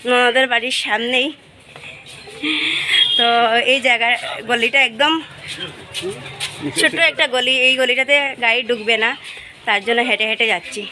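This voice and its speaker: A woman with a Sylheti-tinged Bengali accent chatting casually to her viewers while out and about. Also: fairly high pitch. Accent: Sylheti-influenced Bengali. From India. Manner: chatty, addresses viewers directly. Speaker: vlogger. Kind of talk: casual vlog chat. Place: outdoors and in an auto-rickshaw, on the move. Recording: phone video with loud traffic noise. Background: vehicle noise.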